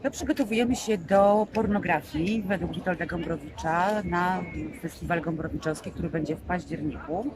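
A woman's voice: lowish voice, moderate pace, hardly any pauses, crowd noise. A woman, a stage actress, talking casually and chattily in an interview, with frequent filler phrases. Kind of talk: casual spontaneous interview talk. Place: outdoors in a town street. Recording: noisy outdoor recording with street ambience.

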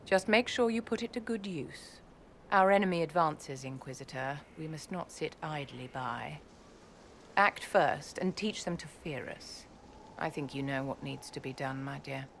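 Casting: commanding aristocratic lady in a fantasy game, poised, lowish register, formal and haughty. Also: measured pace, a bit bright, slight background noise. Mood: commanding, cool. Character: poised, commanding, imperious noblewoman court enchanter and advisor. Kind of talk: fantasy video game acting.

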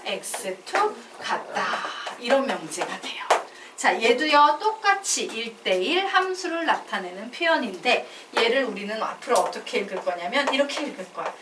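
A woman math teacher lectures in a classroom, her fairly high voice rising and falling with lively inflection as she has students chant definitions back. She sits at a distance from the mic, so the sound is roomy and echoing, with clear background noise. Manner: lively, drills students with call-and-response chanting; mixes casual and polite speech. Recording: echoey classroom, far from mic, noisy.

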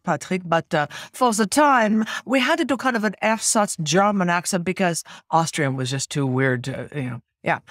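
Animated older woman telling stories. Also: medium pitch, no echo, studio quality. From California. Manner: animated storyteller, quick restarts and asides. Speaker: podcast guest, actress and singer. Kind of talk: casual interview chat.

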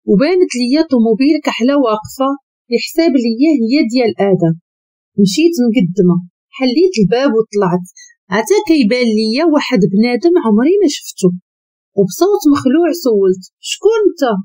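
Lively young-sounding Moroccan woman narrating. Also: fast talker. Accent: Moroccan Arabic. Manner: lively first-person storytelling, quoted lines voiced with higher pitch. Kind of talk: storytelling narration.

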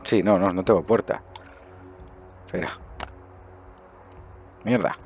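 Male gaming host, middle-aged, Spain accent, lowish voice, chatty think-aloud commentary over faint music. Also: slow pace. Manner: chatty, thinking aloud with muttered asides and self-questions. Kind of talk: casual improvised gameplay commentary. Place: indoors at a desk, webcam view.

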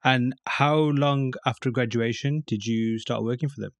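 A man's voice: medium pitch, steady tone, normal speed, no room sound. A man hosting a podcast, reading a scripted introduction and then interviewing a guest with short encouraging replies. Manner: brief encouraging backchannels. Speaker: podcast host.

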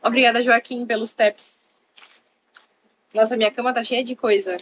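A woman's voice: a little high, steady tone, normal speed, a little hiss or hum. A young woman hosting a casual live stream from her bedroom, chatting with viewers and thanking them by name. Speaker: livestream host. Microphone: laptop.

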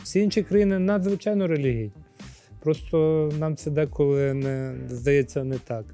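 Soft music accompanies a man's fairly high voice at a moderate pace as he, a priest from Ukraine in his forties, is interviewed on a lapel mic. Thoughtful, with hesitant fillers, he becomes spirited when acting out scenes. Locations shift from a library studio to an outdoor courtyard.

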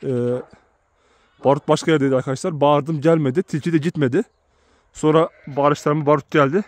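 A man's voice: fairly high pitch, steady tone, a little fast, no echo. A man who works as a shepherd, talking casually to his viewers outdoors in a farmyard and often calling them friends. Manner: chatty, keeps addressing viewers as friends. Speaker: shepherd vlogger. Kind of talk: casual vlog narration to viewers.

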